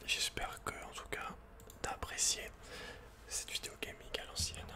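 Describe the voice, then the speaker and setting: A man with a French accent whispering casual, intimate ASMR video game commentary in a breathy, unvoiced voice, speaking informally to the listener. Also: normal speed, pushed and bright. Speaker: ASMR gaming host.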